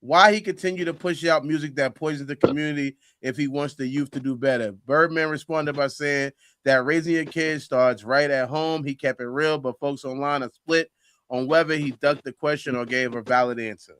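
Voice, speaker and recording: A man's voice: a little high, steady tone, moderate pace, a bit bright, clean tone, no echo. A man hosting a casual talk show, chatting loosely and reading out headlines and comments. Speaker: host.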